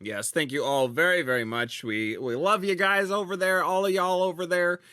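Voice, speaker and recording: A man from the United States co-hosting a podcast, talking casually with halting fillers and repeats. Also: sits high, steady tone, bright, forceful tone, clear, resonant tone, no room sound, studio quality. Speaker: podcast co-host.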